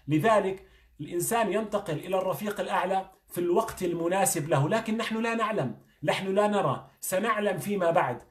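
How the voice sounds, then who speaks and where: A man, a doctor giving a motivational talk, earnest and coaching, firing questions at the listener. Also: high voice. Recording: echoey room.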